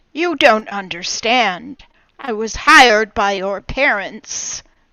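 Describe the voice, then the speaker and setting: Using a put-on character voice, a female-sounding voice talks at a fairly slow pace with a fairly high pitch. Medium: audio drama. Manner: smooth, insinuating.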